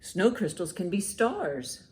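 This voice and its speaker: A woman hosting a children's storytime, reading and explaining in simple, expressive language meant for young listeners. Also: on the low side, slow, background noise. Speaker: children's librarian, storytime host. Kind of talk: children's storytime, reading a picture book aloud and commenting.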